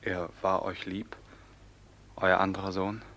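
A remorseful robber captain. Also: male voice, low voice, little pitch movement, measured pace, fairly bright tone. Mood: tender. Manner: intense, declamatory. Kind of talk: classic radio play acting.

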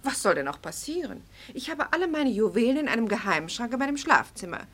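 An actress playing a vain, chatty hostess who gushes in a radio play. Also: female voice, on the high side, sing-song, brisk, fairly bright tone, full character voice. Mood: gushing. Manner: gushing, chatty. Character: vain gushing hostess, proud of her jewels.

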